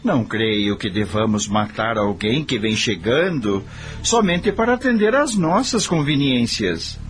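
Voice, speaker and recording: An actor playing a serene, devout businessman and grandfather-to-be in a radio soap opera, speaking in a measured, persuasive, preachy way. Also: mid-range voice, sing-song, soft background music. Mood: firm, persuasive.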